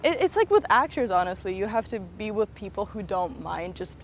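A woman's voice: mid-range voice, very animated, a little fast. A young woman from Spain, a photographer and director, talking in a casual walking interview with lots of "like" fillers and restarts. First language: Russian. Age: young adult. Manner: chatty, many "like" fillers and restarts. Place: outdoors on a college campus near traffic. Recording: outdoor street noise behind the voice.

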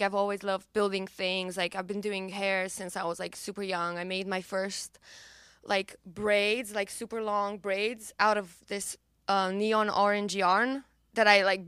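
A woman's voice: mid-range voice, sharp tone, clear, resonant tone, no echo, studio quality. A young woman singer-songwriter whose first language is Romanian, chatting casually in an interview, bubbly and full of fillers. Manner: bubbly, filler-heavy, laughs easily.

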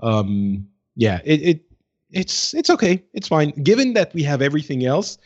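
A man's voice: on the high side, sing-song, normal speed, a little mellow. Slightly muffled man co-hosting a gaming podcast. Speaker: podcast co-host. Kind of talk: casual gaming podcast chat. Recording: slightly dull, lo-fi voice feed.

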